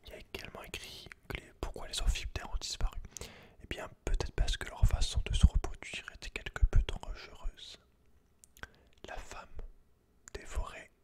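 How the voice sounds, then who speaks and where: A man reading aloud in a breathy, unvoiced ASMR whisper, slow and hushed, with casual asides. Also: very high voice. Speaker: ASMR creator.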